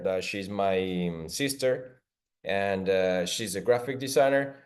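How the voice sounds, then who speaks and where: A man from Ecuador, a guest in an interview, speaking haltingly with many restarts. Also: lowish voice, a little mellow. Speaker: interview guest, agency owner. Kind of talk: casual video call interview.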